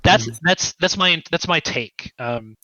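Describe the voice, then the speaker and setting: A man being interviewed as a guest writer, explaining his ideas conversationally in a thoughtful, halting way and often checking in with "right?". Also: a little high, expressive, pushed and bright, no echo, highs cut off.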